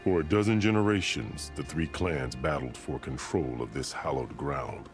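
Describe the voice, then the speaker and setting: An actor playing a stern, proud tribal warrior chief in a video game, speaking in a solemn, formal, measured way. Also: male voice, a bass voice. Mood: solemn storytelling. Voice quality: gravelly. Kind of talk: dramatic video game acting. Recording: loud music behind the voice.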